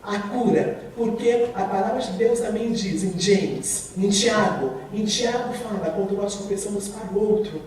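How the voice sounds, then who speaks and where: A woman giving an earnest testimony sermon in a church, speaking with emphasis and addressing the congregation warmly. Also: medium pitch, measured pace, hardly any pauses, crowd noise. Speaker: speaker at a church recovery program. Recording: very echoey hall, from far off.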